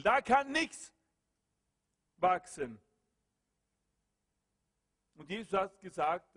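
A man preaching a sermon and praying aloud, with impassioned calls that drop to low murmurs. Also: fairly bright tone. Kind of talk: sermon with prayer. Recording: long hall reverb.

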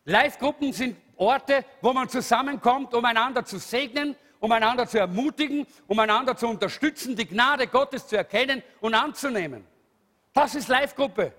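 A man preaching a lively, emphatic sermon, calling out hallelujah. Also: extremely high pitch, normal speed. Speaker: pastor. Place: church hall. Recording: reverberant church hall.

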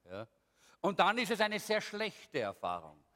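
A man's voice: high voice, wildly swooping pitch, unhurried, pushed and bright. A man leading a group, speaking reflectively with frequent hesitations. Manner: reflective, with many fillers. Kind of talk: addressing a group. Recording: echoey hall.

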